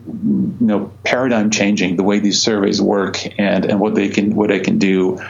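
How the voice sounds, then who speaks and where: A man in his forties from Croatia speaks with a low, gravelly voice and keeps pausing on fillers and restarting his sentences. The recording sounds a little dull and muffled. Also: flat delivery, a little mellow. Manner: hesitant, many fillers and restarts. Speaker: astronomer guest. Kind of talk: conversational interview answers.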